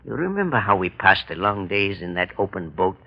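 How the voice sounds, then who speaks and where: A man's voice: low-pitched, sing-song, brisk, creaky, exaggerated voice. An actor playing a cold, vengeful male ex-convict in a 1930s radio drama, with a menacing, hard-edged delivery. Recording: dull lo-fi 1930s radio broadcast.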